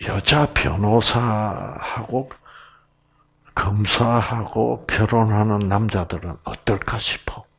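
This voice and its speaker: Slow, gravelly male Bible lecturer. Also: lowish voice, fairly bright tone. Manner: rhetorical questions to the audience.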